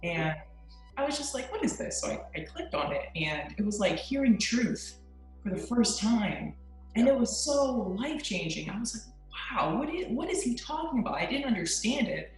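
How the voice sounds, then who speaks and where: A woman's voice: a little high, sing-song, normal speed, soft background music. A young woman, a guest on a chat show, talking openly and earnestly with lots of likes and ums. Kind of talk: casual interview talk. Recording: very echoey remote audio.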